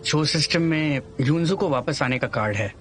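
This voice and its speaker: A man's voice: fairly high pitch, moderate pace, a bit bright, a little hiss or hum, natural voice. A man dubbing a matter-of-fact man who explains the rules of a contest plainly. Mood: explaining. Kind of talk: dubbed drama acting.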